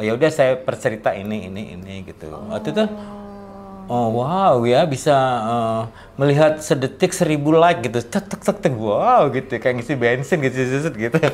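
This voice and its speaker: The pitch swings very widely and the loudness rises and falls sharply. The pace is fairly quick, over light background noise. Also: man. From Medan, North Sumatra, Indonesia. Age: 50s. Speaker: media founder and journalist. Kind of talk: casual interview chat. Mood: animated, storytelling. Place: studio. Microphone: lapel.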